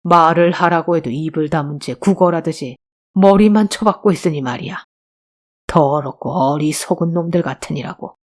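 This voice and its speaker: A woman voicing a menacing, contemptuous male police captain in an audiobook drama, with a lowered voice. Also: moderate pace. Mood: sneering. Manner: sneering, contemptuous.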